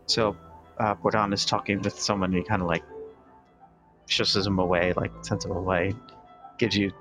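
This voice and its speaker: A man's voice: low voice, flat delivery, normal speed, music in the background. A man narrating a tabletop horror game as game master, casual and hedging, laughing easily.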